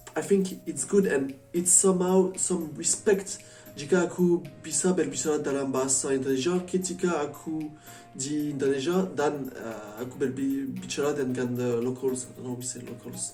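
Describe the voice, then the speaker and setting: A man from France with a French accent chatting casually as a vlogger, a foreigner speaking halting learner's Indonesian and often slipping into English. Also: mid-range voice, steady tone, mellow. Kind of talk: casual chat to camera. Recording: echoey room, distant mic, faint music.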